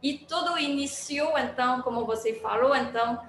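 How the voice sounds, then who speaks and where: A woman's voice: sits high, normal speed, a bit bright, a little hiss or hum. A woman from Montreal with a Quebec French accent, giving an academic talk over a video call, hesitant with many fillers and restarts. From Montreal, Canada. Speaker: guest speaker, engineering physicist. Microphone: laptop mic on a video call. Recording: echoey room with faint ambience.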